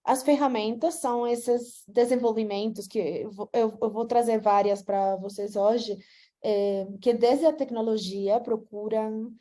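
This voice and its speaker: This woman from Venezuela is a guest speaker giving a slide talk over video call in Portuguese, her Venezuelan Spanish accent clear. Her voice is on the high side and dark-toned, steady and measured. She is friendly, hesitates and restarts often, and mixes in Spanish.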